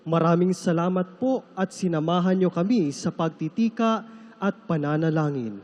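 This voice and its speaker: A man's voice: high-pitched, normal speed, a little mellow, highs cut off. A man with a Filipino accent hosting a solemn religious broadcast in a formal, reverent manner. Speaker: host, religious brother.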